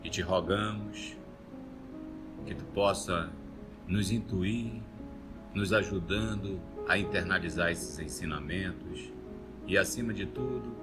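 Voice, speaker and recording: A man who works as a radio host, giving a calm, reverent spoken prayer. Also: sits low. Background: guitar music.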